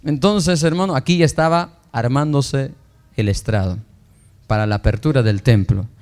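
A man's voice: medium pitch, normal speed, darkish tone, smooth. A man preaching as a pastor, telling his personal testimony to the congregation with emotion, acting out the dialogue he recounts. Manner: emotional storytelling, acts out quoted dialogue, addresses congregation as brothers. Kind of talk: sermon testimony.

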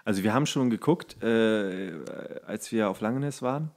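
A man's voice: on the low side, normal speed, a little mellow. A man co-hosting a podcast, chatting loosely with slang and jokes. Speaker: podcast co-host. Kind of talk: casual chat. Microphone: studio microphone.

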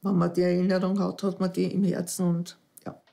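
Sitting in her living room, a widowed woman in her fifties who is a dating show candidate talks through an emotional interview. Her fairly low, creaky voice is brisk with little pitch movement, and she sounds hesitant and reflective, dropping almost to a whisper at times.

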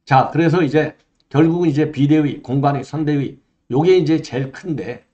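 A man's voice: fairly high pitch, moderate pace, warm tone. Emphatic older man, dull lo-fi recording. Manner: emphatic, rhetorical questions, frequent "예" fillers. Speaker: political commentary host. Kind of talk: solo political commentary. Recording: dull lo-fi sound.

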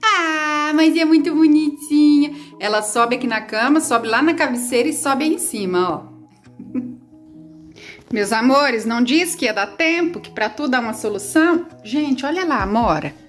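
A woman in her thirties from Brazil, filming a casual home vlog on a handheld phone and chatting warmly with her viewers, full of diminutives. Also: sits high, lively intonation, moderate pace, soft background music. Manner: chatty and affectionate, many diminutives, baby talk to her pets. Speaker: vlogger. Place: small house, indoors and on the porch.

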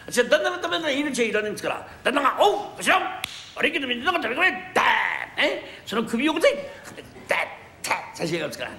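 Man playing a swaggering fire-brigade boss, gravelly and animated, rakugo piece. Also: extremely high pitch, fast talker, voice pushed up, heavily acted. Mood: boastful. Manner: brash, swaggering. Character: boastful male fire-brigade chief, tough-talking. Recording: echoey TV hall with noise.

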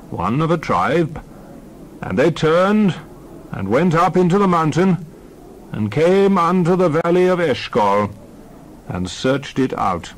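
A man's voice: a little high, full character voice, poor audio. A man playing Moses as a solemn, commanding biblical leader, declaiming archaic scripture in a dramatized Bible reading.

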